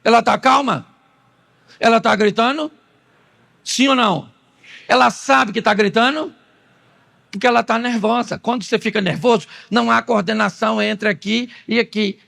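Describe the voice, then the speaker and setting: A man with a Brazilian Portuguese accent preaching a sermon as pastor, animated and theatrical. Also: extremely high pitch, moderate pace, vocal fry, pauses often. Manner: animated, acts out quoted spouses in changing voices.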